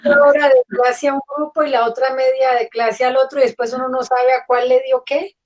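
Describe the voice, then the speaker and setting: A woman's voice: sits high, little pitch movement, a little fast. A woman hosting a literary gathering over a video call, chatty and affectionate, often talking over her guests. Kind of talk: casual video-call chat.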